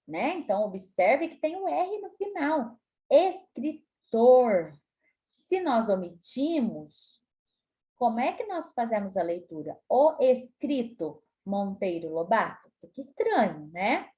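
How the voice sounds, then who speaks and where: A woman with a Brazilian Portuguese accent teaching a spelling lesson to children, explaining patiently and stretching words out slowly. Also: medium pitch, a little mellow. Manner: slow, stretches words out syllable by syllable; frequent tag questions, patient explaining tone. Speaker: primary school teacher.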